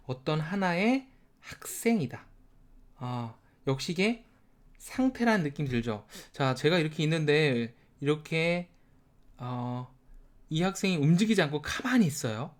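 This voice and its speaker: A man teaching a lesson at a whiteboard, explaining step by step and drilling short phrases slowly and repeatedly. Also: a little high, lively intonation. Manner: starts sentences with a prompting filler. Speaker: English teacher.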